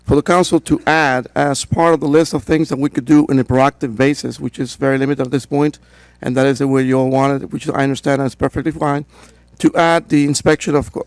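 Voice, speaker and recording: A man with a cold, hoarse, giving a steady, procedural presentation to a town council as code enforcement director. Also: mid-range voice, fairly quick, dry recording. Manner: steady and procedural, with frequent fillers.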